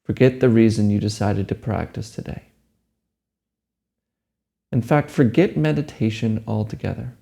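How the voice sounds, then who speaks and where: A man leading a guided meditation, giving gentle, unhurried instructions. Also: fairly low pitch, vocal fry.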